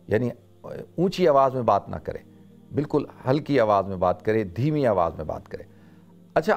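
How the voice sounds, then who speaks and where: Middle-aged South Asian-born male preacher, loud and emphatic, mid-pitched voice, chatty lecture style. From South Asia. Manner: conversational, repeats phrases for emphasis. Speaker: religious scholar giving a talk. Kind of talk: informal Islamic lecture.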